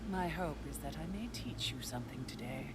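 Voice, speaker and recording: A woman playing a cold, menacing Imperial governor in an animated series, speaking with silky, formal, measured politeness. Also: a bass voice, loud music behind the voice. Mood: silky menace. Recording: loud film score behind dialogue.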